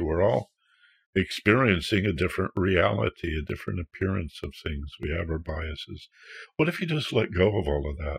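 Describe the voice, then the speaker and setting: The voice is somewhat breathy, moving at a moderate pace with ordinary pitch variation and a dry, close sound with no echo. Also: man. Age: 70s. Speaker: spiritual teacher and podcast host. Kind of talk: lecture. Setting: online class on Zoom. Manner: conversational.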